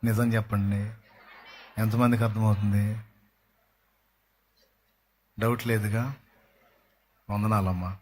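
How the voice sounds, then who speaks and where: A man preaching a sermon with a coastal Andhra Telugu accent. He talks in animated bursts and acts out back-and-forth dialogue with God. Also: lowish voice, slow pace, long pauses, a little hiss or hum. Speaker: pastor. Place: church hall.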